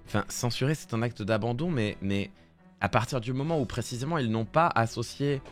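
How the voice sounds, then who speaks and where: A man's voice: mid-range voice, brisk, soft background music. A man giving casual, sarcastic political commentary on a live stream. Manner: sarcastic, mocking asides.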